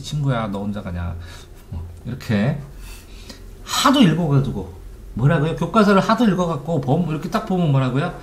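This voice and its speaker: Lively man lecturing in an echoey room. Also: fairly high pitch. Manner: lively, rhetorical questions to listeners. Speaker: study coach. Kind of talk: informal lecture on study methods.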